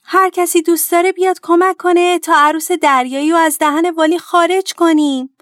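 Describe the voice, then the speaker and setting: A woman's voice: high-pitched, lively intonation, dry recording, studio quality, pitched above the performer's own voice. A woman voicing a small, eager fish who anxiously calls out for help, in a children's storybook tale. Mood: urgent worried. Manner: anxious, calling out loudly. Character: little friendly fish, eager helper.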